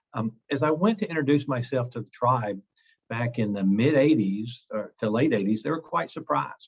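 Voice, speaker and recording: With a Texas accent, a man speaks at a fairly quick pace. His voice comes across as somewhat breathy. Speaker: company founder and executive. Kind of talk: webinar presentation. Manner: halting, many fillers.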